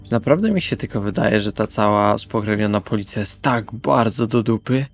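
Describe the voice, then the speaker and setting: A man's voice: lowish voice, moderate pace, no room sound. A man speaking in character in a tabletop roleplaying discussion, organising things in somewhat formal wording. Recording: music bed under the voice. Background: background music.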